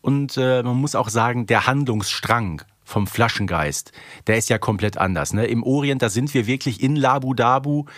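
Mid-pitched man in dry podcast chat. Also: normal speed, fairly bright tone, dry recording. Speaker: podcast co-host. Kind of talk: casual podcast discussion.

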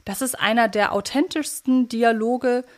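A woman's voice: fairly high pitch, unhurried. A woman co-hosting a podcast, talking casually and analytically in a reflective, elaborating way. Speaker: podcast co-host. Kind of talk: casual analytical podcast talk about an audio drama series.

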